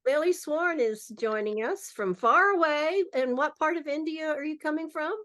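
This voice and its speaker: A woman's voice: sits high, normal speed, fairly bright tone. A woman hosting a poetry reading on a video call, giving brief, friendly prompts. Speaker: host.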